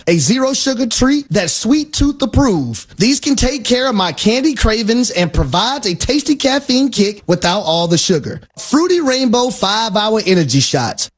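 A man reading an energetic, punchy advertisement. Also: high-pitched. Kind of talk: read advertisement.

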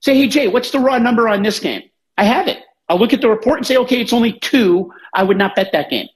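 A radio host pitching a sports betting advice line, talking straight to the listener. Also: quick pace, rough recording. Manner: direct, talks straight to the listener. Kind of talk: sales pitch for betting service.

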